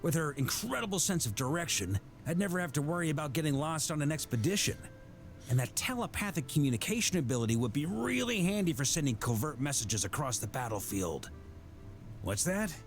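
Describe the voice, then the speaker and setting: A middle-aged knight grandmaster from a fantasy video game, roguish and jovial. The delivery is hearty and conversational, swinging widely in pitch as if telling a tale. Soft music plays behind the voice. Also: male voice, very animated, a little fast. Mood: playful. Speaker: game character giving voice lines. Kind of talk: scripted video game voice acting.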